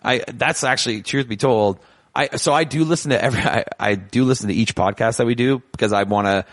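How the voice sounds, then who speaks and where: A man's voice: mid-range voice, a little fast, no room sound. A man from Canada, chatting as a podcast guest. He rambles in bursts and pokes fun at himself. His voice is dry and close, with no room around it. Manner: animated, rambling, self-deprecating. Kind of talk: casual conversation.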